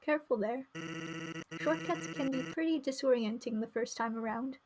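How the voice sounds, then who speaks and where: A woman's voice: sits high, moderate pace, darkish tone, slight background noise, lightly acted, poor audio. A woman voicing a laid-back, joking male skeleton in a game, casual, teasing and reassuring.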